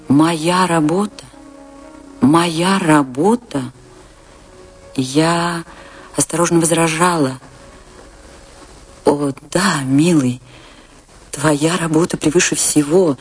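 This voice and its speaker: A woman's voice: sits low, husky, exaggerated voice. An actress playing a passionate woman dancer recounting a stormy love affair in a confessional, theatrical radio play manner. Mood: wistful, pained. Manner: theatrical, confessional, emotionally expressive. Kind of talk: dramatic radio play monologue and dialogue.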